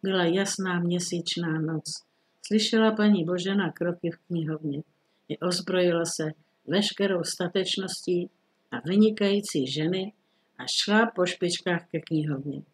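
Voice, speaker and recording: A woman calmly narrating a classic short story as an audiobook reading, measured and even. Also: on the low side.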